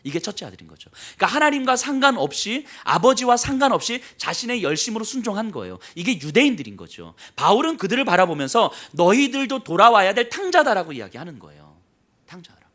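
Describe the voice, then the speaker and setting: Male pastor, sermon delivery; high, animated voice, brisk storytelling with acted asides. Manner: lively storytelling, acts out quoted voices, drops to soft low emphasis.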